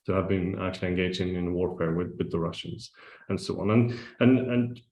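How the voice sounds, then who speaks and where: A man from Sweden with a very low voice, speaking on an academic panel. He halts and restarts often as he thinks aloud. His voice rings in an echoey room. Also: a little fast, darkish tone, a little hiss or hum. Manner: hesitant, many restarts and fillers.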